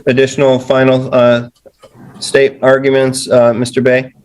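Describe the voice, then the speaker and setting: A man serving as judge, heard through a courtroom audio recording. His voice sits at an ordinary middle pitch. He speaks in a measured, halting way and fills his pauses with "uh" as he rules. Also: monotone, darkish tone, a little hiss or hum. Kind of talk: presiding over a court hearing.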